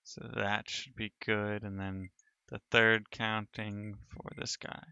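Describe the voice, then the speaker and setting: A male streamer talks his way through a building session in a relaxed, unhurried way, narrating every step as he works. His voice sits a bit low but sounds bright and forceful. It comes across smooth and crisp. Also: dry recording. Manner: thinks aloud while working, narrating each step. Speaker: streamer building in a sandbox game. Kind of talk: casual live-stream commentary.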